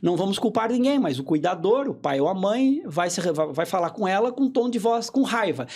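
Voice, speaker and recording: A hypnotherapist appears as a guest in a podcast interview, explaining things in a calm, instructive manner and frequently checking in with quick tag questions. His voice is high, and he talks fairly fast.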